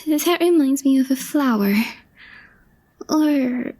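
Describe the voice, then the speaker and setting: A woman playing a calm, reserved young girlfriend, shyly smitten, in a soft, breathy, hesitant ASMR roleplay voice that often drops to a whisper. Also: high voice. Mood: quietly fond. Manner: hesitant, understated, slow with long pauses.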